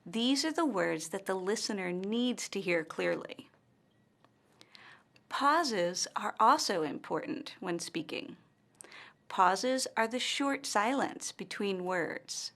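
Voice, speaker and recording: A woman narrating a scripted language lesson, speaking slowly and carefully with clearly marked stress and pauses. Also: medium pitch, animated, fairly bright tone. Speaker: language teacher.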